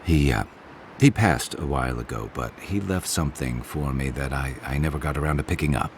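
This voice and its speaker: An actor playing an easygoing, wry adventurer companion in a video game, teasing and reflective. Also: male voice, rumbling low, fairly quick, slight background noise. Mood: reflective, hesitant. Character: easygoing wry male adventurer companion, weathered but good-humoured. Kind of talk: naturalistic video game dialogue.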